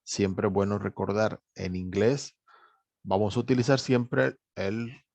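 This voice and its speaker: Male teacher, gravelly voice, dry close sound, measured lecture. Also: fairly low pitch, fairly even intonation, darkish tone, no room sound. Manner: measured, repeats reminders, many fillers like "obviamente". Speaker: English teacher. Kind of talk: online course lecture.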